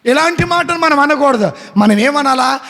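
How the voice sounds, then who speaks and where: A man's voice: very high-pitched, lively intonation, moderate pace, bright, forceful tone. A man, a Catholic priest, preaching a sermon, often asking his listeners questions and answering them himself, and acting out the words of the people he quotes. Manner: acts out quoted speech in shifting voices. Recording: long hall reverb.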